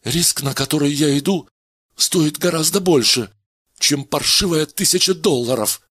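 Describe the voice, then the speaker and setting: A man doing a frightened, high-pitched test subject. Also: moderate pace, a bit bright, husky, no echo, studio quality. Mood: worried. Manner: anxious, insistent, rising to cries.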